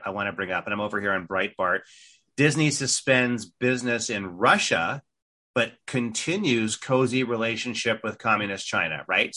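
A man hosting a casual political talk show, brash and emphatic, with quick interjections of agreement. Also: fairly low pitch, pushed and bright. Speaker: host.

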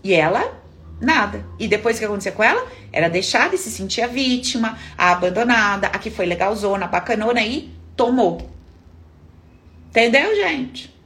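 Woman, Brazilian Portuguese accent, therapist, live-stream talk, animated delivery, high-pitched. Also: normal speed. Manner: lively, acts out dialogues, frequent rhetorical questions.

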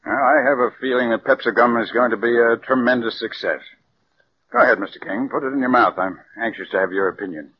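An actor playing an eager, flattering company sponsor in a 1940s radio drama. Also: male voice, mid-range voice, fast, a little hiss or hum, natural voice. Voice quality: effusive, flattering. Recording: dull old radio broadcast recording.

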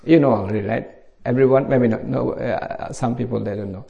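A middle-aged Buddhist monk from Bangladesh with a Bangladeshi accent, giving an informal dharma talk in simple English at a meditation retreat. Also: male voice, medium pitch, fairly quick, creaky, highs cut off.

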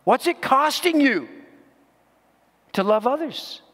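A man's voice: extremely high pitch, lively intonation, slow pace, a bit bright, breathy edge, in a large hall. A man preaching a sermon as pastor, earnest and direct, putting rhetorical questions to his congregation.

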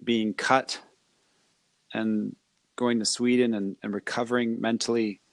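A man's voice: medium pitch, level tone, unhurried, dry recording. A man hosting an interview, asking long, enthusiastic questions that ramble with restarts. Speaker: podcast host. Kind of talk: interview chat.

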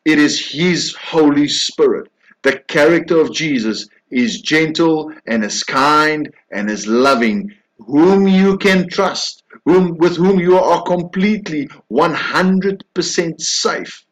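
Animated male preacher with a lively voice. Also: a little high, takes it slowly, rough recording. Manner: emphatic, swings from loud insistence to soft hushed tones. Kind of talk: sermon.

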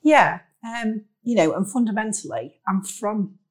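A woman's voice: mid-range voice, lively intonation, a little slow. A woman with a Manchester accent, talking earnestly as an interview guest and building emphasis through repeated phrasing. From Greater Manchester, England. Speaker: company managing director, podcast guest. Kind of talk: conversational interview.

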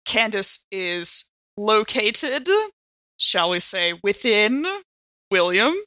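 A woman with a bright, forward voice talks as a player in a tabletop game. She speaks informally and haltingly, working out moves aloud, in a very dry recording. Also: mid-range voice, dry recording. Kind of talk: casual in-game chat.

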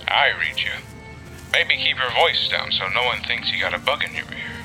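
An actor playing a gruff, wary older treasure-hunting mentor in an audio drama, dry and admonishing. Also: male voice, mid-range voice, expressive, moderate pace, rough recording. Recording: loud music under the voice.

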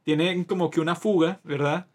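Higher-voiced Venezuelan man chatting. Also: steady tone, normal speed, a little mellow. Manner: talkative, slangy, opinionated. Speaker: podcast co-host. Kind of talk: casual chat.

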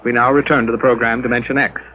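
A male radio announcer reading a formal news bulletin in measured tones, with the sound of an old newsreel. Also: medium pitch, flat delivery. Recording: tinny old radio broadcast with faint hiss.

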